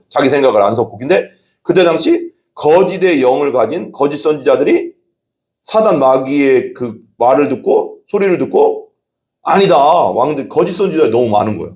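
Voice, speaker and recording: A man's voice: mid-range voice, a little mellow. A male pastor giving a conversational sermon, asking the congregation rhetorical questions and breaking into sudden exclamations.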